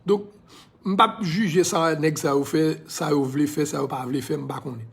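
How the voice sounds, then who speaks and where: A man with a Haitian accent talks straight to his viewers in a casual live video, impassioned and preachy. His voice sits a little higher than most men's, and he drops English phrases in here and there. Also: a little slow, vocal fry. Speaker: social media personality.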